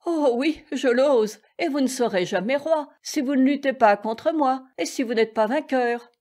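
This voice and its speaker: A cheeky little gnat, as a woman puts him on, squeaky and gleeful as he mocks a far bigger foe. His voice sits up high and bounces with boastful excitement. A storybook reading. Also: unhurried. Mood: defiant. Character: cheeky tiny male gnat, boastful and mocking.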